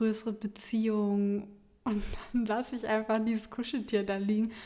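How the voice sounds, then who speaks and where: At a moderate pace, a woman speaks in a fairly high voice with monotone, flat intonation. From eastern Germany, Naumburg. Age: 20s. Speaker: podcast co-host, paralegal by training. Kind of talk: casual chat.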